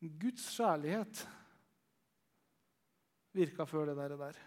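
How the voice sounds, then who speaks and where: Storytelling man, slightly high voice. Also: expressive, a little mellow. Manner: storytelling, conversational with many fillers. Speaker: Christian youth leader giving testimony. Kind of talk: testimony.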